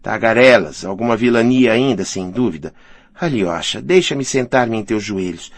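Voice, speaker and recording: Male narrator voicing a teasing, excitable young woman in a novel reading; low voice with a swinging pitch, dry sound. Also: moderate pace, no echo. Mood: excited, teasing. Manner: lively and teasing. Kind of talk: audiobook reading.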